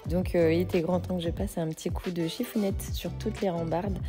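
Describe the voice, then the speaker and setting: A woman's voice: fairly low pitch, fairly even intonation, brisk. A woman in her thirties, a home cleaning vlogger, chatting casually and walking through her chores step by step. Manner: chatty, self-motivating, explains step by step. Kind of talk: casual vlog narration. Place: large modern home interior. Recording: echoey room, faint background music.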